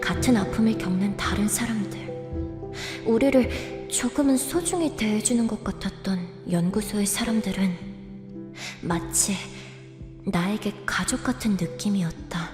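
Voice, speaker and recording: A woman's voice: mid-range voice, moderate pace, close to an everyday voice. A woman playing a frightened, lonely orphan boy in an audio drama, plaintive and emotional. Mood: sorrowful narration. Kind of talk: audio drama acting and first-person narration. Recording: reverberant, echoey, music behind.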